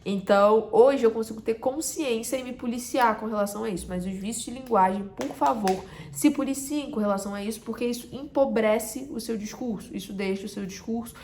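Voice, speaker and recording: A communication coach from Rio de Janeiro, Brazil, speaking Brazilian Portuguese with a Carioca accent, teaches directly to camera, emphatic but dropping to a soft voice to make a point before rising again. Her voice is fairly high and fairly quick with hardly any pauses, over a little hiss or hum.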